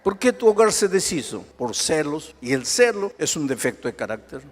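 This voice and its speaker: A man preaching a sermon as a pastor, firing rhetorical questions and swinging between loud outbursts and hushed, intimate passages. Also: on the high side, very animated, moderate pace, big-room sound.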